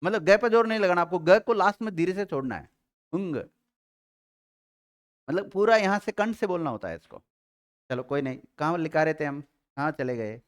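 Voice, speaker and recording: A man teaching Hindi grammar to a live class, drilling students and repeating letters slowly, with a Rajasthani Hindi accent. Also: fairly high pitch, expressive.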